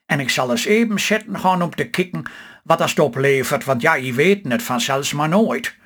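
A woman's voice: low-pitched, normal speed, breathy edge. A man reading a storybook voice of a hopeful, chatty rural housewife who chides her husband, in Stellingwerf dialect. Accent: Stellingwerf Low Saxon dialect. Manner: lively, chiding, optimistic.

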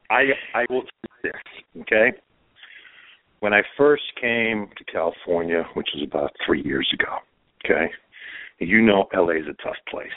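Croatian-born guy giving dating advice, lowish voice, keeps saying okay, tinny dry phone sound. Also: no echo. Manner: emphatic, punctuates with "okay?". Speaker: guest. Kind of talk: casual chat advice.

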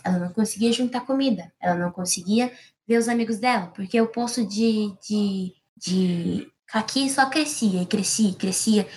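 A woman improvising a children's story, playful and rambling with asides. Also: mid-range voice.

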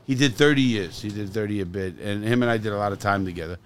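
A man hosting a casual podcast in an RV, a loud, laughing storyteller who jokes and swears freely. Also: fairly low pitch, fast, slight background noise. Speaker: podcast host. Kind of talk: casual chat.

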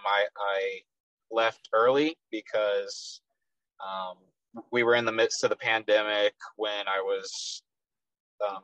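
A man in his twenties with a Texas accent, a professional soccer player, answering interview questions in a relaxed way with many ums and restarts. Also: on the low side, no room sound, low-quality recording. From Texas, USA. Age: 20s.

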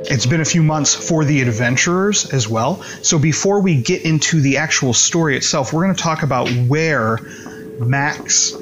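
A man's voice: a little high, normal speed. A man hosting a tabletop gaming show as game master, giving a casual introduction. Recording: slightly dull, music behind voice.

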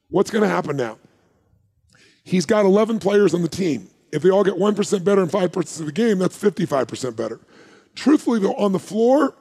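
A man's voice: high voice, creaky, a little mellow, breathy edge. A middle-aged man speaking live to an audience, telling a punchy story, acting out quoted dialogue and asking the crowd questions. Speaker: motivational speaker.

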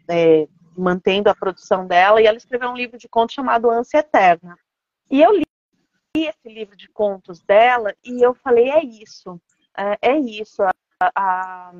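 A Brazilian woman author speaking conversationally and earnestly in an interview, explaining her ideas and often checking in with short tags. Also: fairly high pitch. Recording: echoey room, dull lo-fi audio.

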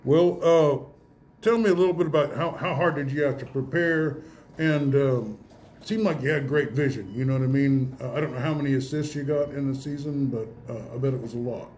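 A man hosting a casual sports awards interview, folksy and halting, often repeating himself as he goes. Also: mid-range voice, a little mellow, slight background noise. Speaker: radio host interviewing award winners.

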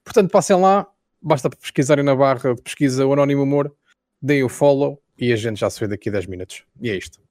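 A man's voice: medium pitch, fast talker, darkish tone, dry recording, clean studio sound. A man with a European Portuguese accent, a guest streamer chatting casually and jokingly.

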